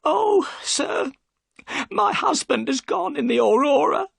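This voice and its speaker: A man voicing an upset middle-aged boatman's wife in a high, shaky, pleading voice while reading a storybook aloud. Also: expressive, slow pace, creaky, a bit bright, no room sound, full character voice. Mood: sobbing.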